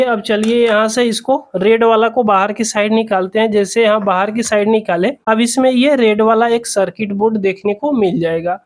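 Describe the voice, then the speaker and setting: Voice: medium pitch, darkish tone. A person explaining a repair step by step in an instructional, repetitive way, as the host of a tutorial.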